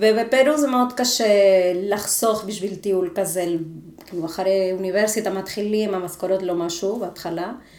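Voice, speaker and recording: A woman with a Spanish accent speaks at a medium pitch and a moderate pace, her pitch varying in an ordinary way, with noticeable background noise and audible room echo. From Peru. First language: Spanish (speaking Hebrew). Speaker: content project manager. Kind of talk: casual interview. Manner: halting.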